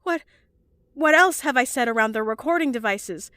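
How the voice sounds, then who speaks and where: A high-pitched young female student in an audio drama, recorded close and dry. She is earnest and anxious, a well-meaning type who stammers and halts as she talks. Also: lively intonation, normal speed, sharp tone, no room sound. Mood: panicked, self-blaming. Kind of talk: audio drama acting, emotional monologue and dialogue.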